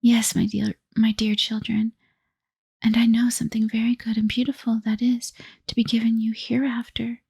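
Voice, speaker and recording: A woman's voice: a little high, monotone, moderate pace, darkish tone, dry recording, heavily acted. Woman whispering as cheery fairy Hope. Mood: tender. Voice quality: breathy whisper. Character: cheerful winged fairy girl Hope, coaxing. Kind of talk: whispered role-play.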